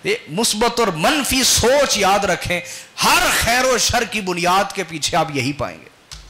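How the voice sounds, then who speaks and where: Guy giving a sermon, higher voice, keeps asking the crowd stuff, punches words hard. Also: sing-song, a little slow, sharp tone. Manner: quizzes the audience with rhetorical questions. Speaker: preacher.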